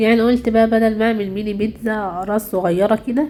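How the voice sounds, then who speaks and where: Somewhat breathy with a dark, mellow tone, a woman speaks at a moderate pace and a fairly high pitch, her intonation fairly even. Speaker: cooking channel host. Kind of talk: cooking tutorial voiceover. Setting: voiceover narration.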